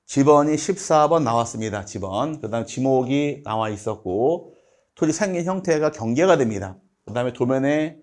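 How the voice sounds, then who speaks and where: A man's voice: mid-range voice, darkish tone. A middle-aged man giving an online exam-prep lecture, methodically walking through a diagram item by item and having students recite terms along with him.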